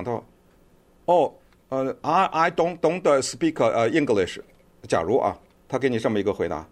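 Male commentator, conversational and digressive, lively swooping intonation, filler-heavy delivery. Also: medium pitch. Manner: chatty, digressive, lots of fillers. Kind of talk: casual online commentary.

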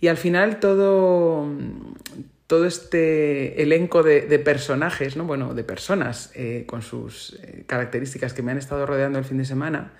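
A man from Spain with a Spain Spanish accent, giving a reflective solo monologue as a podcaster. He talks in a thoughtful way and often pauses to search for the right word. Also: a little high, fairly even intonation, darkish tone.

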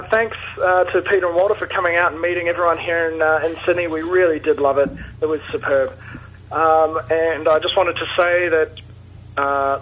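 A man's voice: a little high, fairly bright tone, husky. A man with a New Zealand accent leaving a playful voicemail, hesitant and full of fillers, recorded over a phone line. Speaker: caller. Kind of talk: voicemail with mock interview. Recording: phone line with faint noise.

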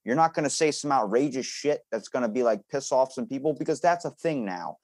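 A man's voice: mid-range voice, lively intonation, fairly quick, darkish tone. A man hosting a podcast, chatting casually and bluntly with loose, sweary, conversational delivery. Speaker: podcast host.

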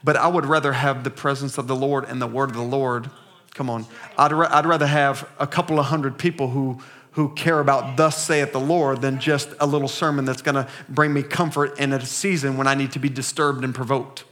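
Male pastor, 30s, mid pitch, deliberate sermon delivery with call-and-response. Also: fairly even intonation, fairly bright tone. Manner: slow, emphatic reading with congregation call-and-response.

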